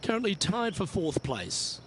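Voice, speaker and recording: A man playing a composed television golf commentator in a video game, making measured, brief remarks between shots. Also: high-pitched, sing-song, background noise.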